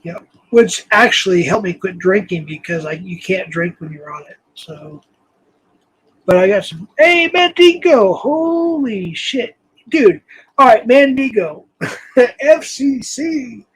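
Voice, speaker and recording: A man hosting a casual livestream, hoarse and losing his voice, rambling and reading the chat aloud. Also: sits high, expressive, slow pace, a bit bright, low-quality recording. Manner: rambling, reads chat aloud, frequent ums. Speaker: livestream host.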